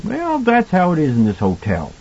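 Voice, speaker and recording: Audiobook role: kindly older male cook, played by a man. Husky, very animated, folksy, earnest and protective. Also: on the high side, moderate pace, highs cut off, voice pushed up, full character voice. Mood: earnest, reassuring. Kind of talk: audiobook character dialogue.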